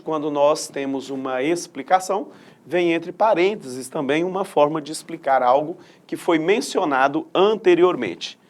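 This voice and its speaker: Brazilian male teacher explaining punctuation. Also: fairly high pitch. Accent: Brazilian Portuguese. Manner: explanatory, frequent tag questions. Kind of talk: recorded adult-education lesson.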